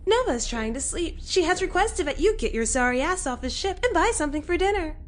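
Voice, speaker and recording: A woman's voice: very high-pitched, lively intonation, a little fast, voice pushed up. A woman voicing a polite, literal-minded female ship's android in a sci-fi audio drama, speaking in formal, emotionless stock phrases. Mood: formal, neutral.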